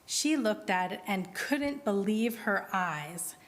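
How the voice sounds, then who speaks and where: Brief: woman reading a children's story aloud, very unhurried, in a reverberant meeting hall. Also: mid-range voice. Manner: slow, expressive read-aloud. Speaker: story reader at a worship service. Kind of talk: storytelling narration.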